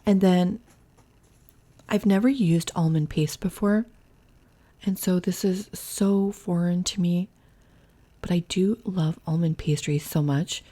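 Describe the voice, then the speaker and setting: A woman's voice: lowish voice, slow pace, long pauses, dark tone. A woman hosting a home cooking vlog, chatting through each step in a casual, thinking-aloud way from her kitchen. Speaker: cooking channel host.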